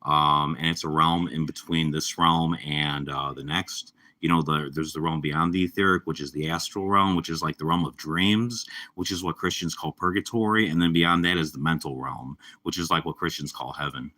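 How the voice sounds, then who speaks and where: A young man with a slightly raspy voice from a cold, chatting casually and rambling on a live stream. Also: rumbling low, steady tone, moderate pace, few pauses, sharp tone. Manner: rambling, laid-back, lots of fillers. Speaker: livestreamer.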